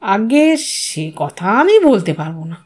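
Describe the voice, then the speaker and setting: A woman voicing a poor, grieving middle-aged village father who speaks haltingly and unsurely in an audio story. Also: mid-range voice, big pitch swings, voice pushed down. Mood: subdued, unsure.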